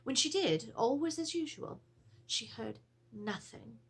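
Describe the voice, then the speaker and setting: Casting: actress as genteel Edwardian lady of a haunted house, theatrical dramatic reading, slightly husky, very varied intonation. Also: on the high side, unhurried, heavily acted. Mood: grave, uneasy. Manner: formal, theatrical, expressive storytelling. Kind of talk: dramatic reading of a period letter. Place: small room with draped cloth backdrop.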